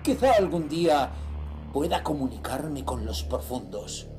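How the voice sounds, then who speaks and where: A man's voice: a little high, very animated, unhurried, over music. An actor playing an arrogant, obsessed nineteenth-century occultist, reciting his diary in a pompous, scornful, theatrical way. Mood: power-hungry. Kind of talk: dramatic audio-drama monologue.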